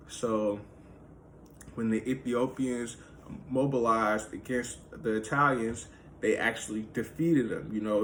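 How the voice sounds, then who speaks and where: A man's voice: fairly low pitch, fairly bright tone, slight background noise, low-quality recording. A man talking through history in a loose, casual monologue, full of "like" and "you know" fillers. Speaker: history video host.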